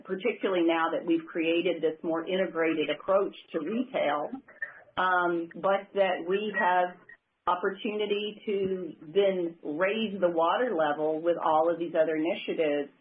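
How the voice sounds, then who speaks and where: A woman speaking as a company executive on an earnings call, pitching her business in emphatic corporate language. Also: a little hiss or hum. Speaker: company executive answering investors. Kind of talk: earnings call remarks, semi-spontaneous. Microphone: telephone conference call. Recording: tinny, narrow phone-line sound.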